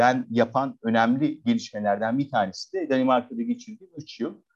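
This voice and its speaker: A man's speech keeps a moderate pace and fairly even intonation. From Adana, Turkey. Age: 40s. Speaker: podcast guest, former solar energy professional. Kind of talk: casual interview. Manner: hesitant, many filler sounds. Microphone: connection drops out.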